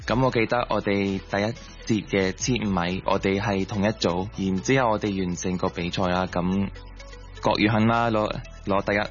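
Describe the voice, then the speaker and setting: A low male voice with tells personal stories as a radio guest, mixing in English words. The sound is a little dull, with music playing behind him. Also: fairly even intonation, moderate pace. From Hong Kong. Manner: mixes English words into Cantonese. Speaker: interview guest, sports coach. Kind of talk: personal storytelling in a radio interview.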